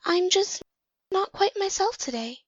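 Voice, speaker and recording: A woman's voice: very high voice, expressive, unhurried, dry recording, highs cut off. A woman playing a quirky, scheming mirror clone with theatrical manner in an amateur audio drama. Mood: awkward. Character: mirror-born female clone, quirky aspiring world conqueror.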